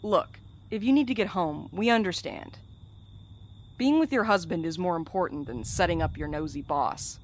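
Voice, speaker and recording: A woman's voice: fairly low pitch, lively intonation, moderate pace, slight background noise, close to an everyday voice. A woman acting in a fiction podcast as a sardonic, blunt courier with a dry, slangy, wisecracking way of talking. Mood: frank, supportive. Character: sardonic, blunt, irreverent courier and loyal friend.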